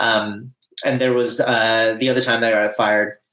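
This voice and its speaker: With a Canadian accent, a man talks in an unremarkable speaking voice at medium pitch, fairly quick, with fairly even intonation. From Ontario, Canada (Thorold, Niagara region). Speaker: event and creative producer, designer, musician. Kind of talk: casual interview chat.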